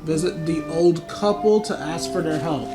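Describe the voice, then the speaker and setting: Guy doing a casual lets play, highish voice, rambly jokey asides, music going behind him. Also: moderate pace. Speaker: gaming YouTuber commentating his play. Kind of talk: casual playthrough commentary. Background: video game music.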